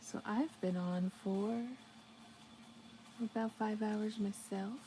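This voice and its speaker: A woman with an American accent speaks very slowly in a fairly high, somewhat breathy voice with a dark, mellow tone and fairly even intonation. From US, Colorado. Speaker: crochet livestreamer. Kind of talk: casual livestream chat while crafting.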